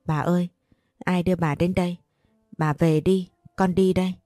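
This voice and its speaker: A woman voicing a contrite young man sentenced to prison, speaking gently to his grandmother. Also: fairly low pitch, steady tone, moderate pace, no room sound, studio quality, faint music behind, close to an everyday voice. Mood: remorseful. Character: remorseful young male prisoner, handcuffed.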